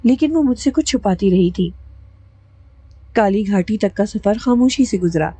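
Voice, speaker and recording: A woman narrating a horror audiobook in a steady, dramatic storytelling manner. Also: mid-range voice, husky, no echo.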